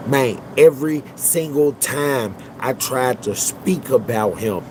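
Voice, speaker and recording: Dude ranting on his live stream, blunt and cussing, slow talker, faint noise behind. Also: medium pitch, lively intonation. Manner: blunt, profane, emphatic street talk. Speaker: livestream host. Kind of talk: casual livestream commentary.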